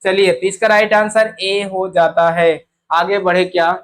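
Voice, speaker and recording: A man's voice: high voice, steady tone, a little slow, fairly bright tone. A young adult man teaching an exam-prep grammar lesson, chatty and repetitive, who quizzes his listeners with rhetorical questions and drags out sounds when he demonstrates them.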